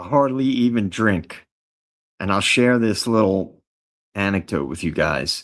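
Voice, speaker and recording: Speaking at a fairly slow pace in a Northeast US accent, a man with a fairly low pitch uses lively intonation on a very clean recording with a silent background. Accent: faint Northeast US. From US Northeast (NY/NJ/Philly tri-state area). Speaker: livestream host. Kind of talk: casual livestream chat. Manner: casual, slangy, filler-heavy.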